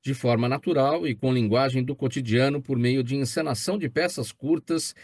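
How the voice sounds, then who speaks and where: Give me a male host with an ordinary-pitched voice, asking drawn-out questions with lots of fillers, recorded dry. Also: a little mellow, no echo. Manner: slow, rambling questions with many fillers. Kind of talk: talk show hosting.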